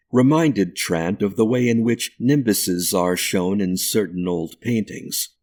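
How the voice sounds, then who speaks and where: A man narrating a ghost story audiobook in a measured, deliberate way. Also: lowish voice, a little mellow.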